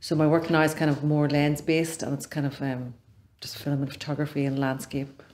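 A woman with a Northern Irish accent talks at a fairly quick pace in a very deep, low pitch and a monotone, flat intonation, over light background noise. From Northern Ireland, Belfast. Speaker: artist; interviewee. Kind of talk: interview. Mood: calm, reflective. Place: studio.

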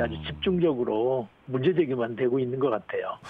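With lively intonation, this man talks at a moderate pace. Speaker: professor of public administration. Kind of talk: radio interview. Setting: phone call. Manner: halting, many fillers.

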